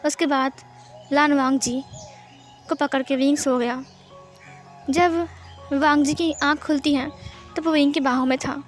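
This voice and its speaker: A woman narrating a fan fiction story in plain, steady storytelling, tagging each speaker. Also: sits high, a little slow, long pauses, soft background music.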